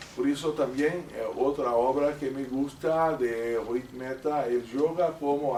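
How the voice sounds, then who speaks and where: With a Portuguese accent, a man talks very slowly in a fairly high voice and fairly even intonation, with noticeable background noise and audible room echo. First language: Portuguese (speaking Spanish). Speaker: lecturer on yoga and theosophy. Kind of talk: lecture. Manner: halting.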